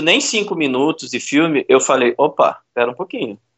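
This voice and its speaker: In a fairly high voice, a man speaks with lively intonation. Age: 50s. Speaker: film researcher and critic. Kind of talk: casual interview. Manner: halting, many fillers.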